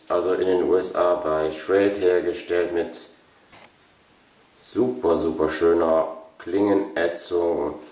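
A man presenting a collection as a channel host, unscripted and casual, haltingly thinking aloud. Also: deep voice, darkish tone. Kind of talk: casual product showcase, unscripted. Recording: roomy echo, distant microphone.

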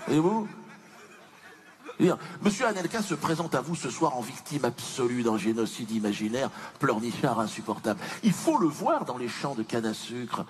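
A man's voice: mid-range voice, sing-song, moderate pace, natural voice. A man performing punchy stand-up as a pompous, self-pitying slave owner from the colonial past, theatrical, indignant and mock-dignified. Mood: self-justifying. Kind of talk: punchy stand-up comedy character monologue. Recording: noisy live theatre stage recording.

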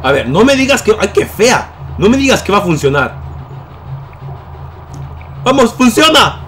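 High-voiced excitable young man gaming. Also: fairly quick, faint music behind. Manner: excitable, yelling at enemies in bursts. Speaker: gaming YouTuber. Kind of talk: gameplay commentary.

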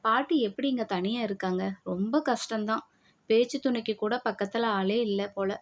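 A woman voicing a tearful, grieving young woman who speaks softly and hesitantly. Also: a little high, moderate pace, lightly acted. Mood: quiet. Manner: soft, quiet, hesitant.

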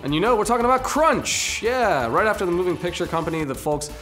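A young man co-hosting a casual gaming video in a studio, animated and jokey, breaking into loud excited bursts. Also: high-pitched, fast, soft background music. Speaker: co-host. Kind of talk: casual scripted video commentary.

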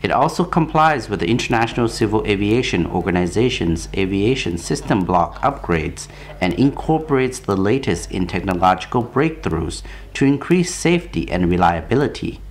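A man's voice: lowish voice, sing-song, moderate pace. A man reading scripted television news narration as a presenter.

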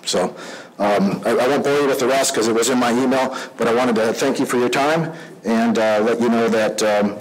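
A man's voice: medium pitch, moderate pace, rough recording. A man giving public comment at a podium in a meeting room, talking hesitantly with restarts and fillers. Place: indoor township meeting room. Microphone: podium microphone.

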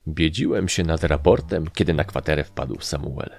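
A man reading a humorous story aloud as an audiobook narrator, with lively storytelling. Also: rumbling low, moderate pace, vocal fry. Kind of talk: scripted narration.

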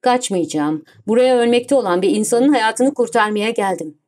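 A woman reading the lines of a suave, commanding gentleman thief in an audiobook, cool and self-assured. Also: a little high, moderate pace, natural voice. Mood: calm, commanding.

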